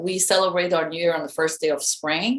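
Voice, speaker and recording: A woman speaks with an Iranian accent. Her pitch variation is ordinary. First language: Farsi. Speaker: singer. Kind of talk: interview.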